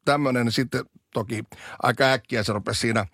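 A man's voice: medium pitch, steady tone, a bit bright, no room sound, studio quality. Chatty man on morning radio. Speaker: radio co-host. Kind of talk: casual morning radio chat.

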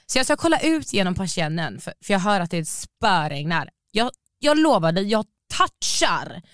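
A woman's voice: on the low side, no room sound, clean studio sound. Young Swedish-speaking woman telling a wild story. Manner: animated, slangy, laughs through her story. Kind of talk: casual chat, storytelling.

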